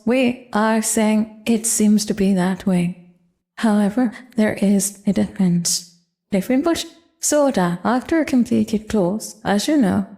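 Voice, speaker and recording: An older woman explaining grammar in a measured, careful lecture. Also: medium pitch, dark tone. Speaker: Japanese language teacher. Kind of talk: grammar lesson narration.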